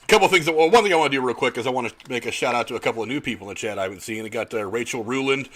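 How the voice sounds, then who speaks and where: A man's voice: medium pitch, very fast, fairly bright tone. A man hosting a casual panel discussion, addressing guests and viewers. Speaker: host.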